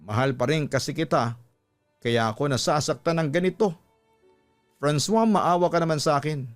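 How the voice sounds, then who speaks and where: A man's voice: fairly high pitch, normal speed, faint music behind, close to an everyday voice. A man voicing a betrayed Filipina wife, emotional and reproachful, in a radio-style story drama. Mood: pleading, wounded. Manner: emotional, reproachful, switching between Tagalog and English. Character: hurt, angry betrayed Filipina wife confronting her husband.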